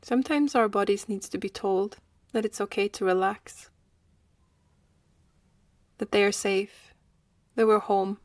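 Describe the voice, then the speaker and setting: A woman leading a guided meditation in a slow, gentle manner with long pauses. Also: medium pitch, steady tone, no room sound.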